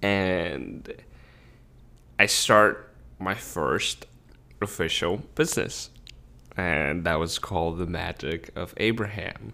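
A man speaks very slowly in a very deep, low pitch with ordinary pitch variation and vocal fry. His bright, sharp tone is broken by long, frequent pauses. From Colombia, moved to US at twelve. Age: 20s. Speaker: podcast host, online business coach. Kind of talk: solo personal storytelling monologue. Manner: casual with frequent fillers (uh, eh, um).

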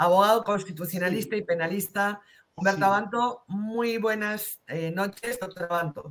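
The speaker is a woman at medium pitch. She uses ordinary pitch variation and a moderate pace. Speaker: political news show co-host. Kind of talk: political talk show.

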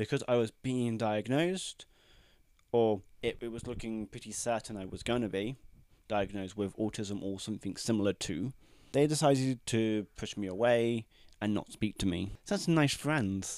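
On a very clean recording with a silent background, a man with an English accent and medium pitch talks at a moderate pace with ordinary pitch variation. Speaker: podcast host. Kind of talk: casual monologue.

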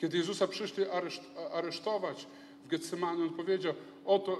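Audible room echo and noticeable background noise surround a man's high-pitched voice. He keeps a moderate pace and fairly even intonation. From Ukraine. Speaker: pastor. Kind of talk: sermon. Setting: church.

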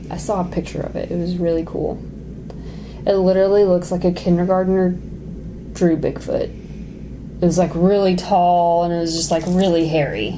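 In an Appalachian accent, a woman speaks at a moderate pace with a fairly low pitch and monotone, flat intonation, amid noticeable background noise and audible room echo. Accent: Appalachian US Southern. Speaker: podcast host. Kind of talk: casual chat.

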